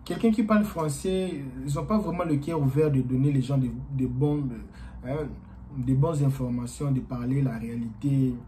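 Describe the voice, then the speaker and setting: A man whose first language is Portuguese, talking casually to his viewers as a YouTuber in a rambling, halting way with many fillers. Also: mid-range voice, fairly even intonation, warm tone, slight background noise, low-quality recording.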